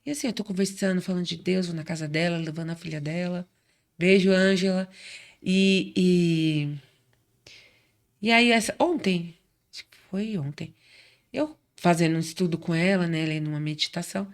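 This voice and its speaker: A woman's voice: on the low side, moderate pace. A middle-aged woman from Brazil telling her faith story in casual chat, acting out quoted voices as she goes. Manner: warm chatty storyteller, acts out quoted voices. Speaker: guest.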